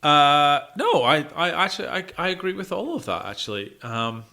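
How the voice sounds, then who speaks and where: A man's voice: fairly high pitch, animated, normal speed, bright, forceful tone. A man co-hosting a music podcast in casual chat, often prompting with questions and short agreements. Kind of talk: casual album review chat.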